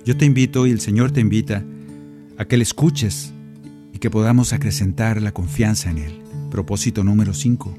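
A man's voice: lowish voice, normal speed, over music. A man leading a prayer reflection, speaking earnestly and persuasively to the listener, as a Catholic singer-songwriter. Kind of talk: conversational preaching reflection. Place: home recording studio.

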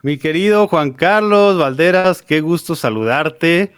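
A man's voice: a little high, measured pace, a bit bright, clear, resonant tone, no echo, studio quality. A man from Mexico, a regular guest on a Catholic radio show, effusive and playful. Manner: effusive, playful, sing-song asides.

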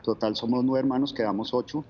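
A man's voice: medium pitch, fairly even intonation, quick pace, husky, muffled recording. A man from Bogotá with a Colombian accent, a guest telling his faith story in an interview, reflective and full of fillers. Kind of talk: testimony interview.

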